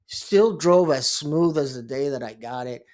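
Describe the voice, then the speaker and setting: A middle-aged bankruptcy lawyer who hosts a blog from Miami, Florida, speaks casually at a measured pace. His mid-range voice is a little mellow, and his monologue rambles, with asides and restarts along the way.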